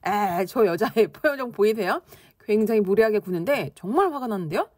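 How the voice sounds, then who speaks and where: 생기 있고 약간 허스키한 여자 선생님. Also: female voice, medium pitch, moderate pace, no echo, studio quality. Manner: lively, playful, acts out angry reactions. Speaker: English conversation teacher. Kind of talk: explaining English expressions in Korean.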